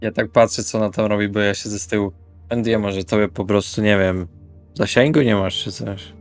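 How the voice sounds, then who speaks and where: A man's voice: lowish voice, steady tone, brisk, dry recording. A man speaking in character in a tabletop roleplaying discussion, organising things in somewhat formal wording. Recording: music bed under the voice. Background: background music.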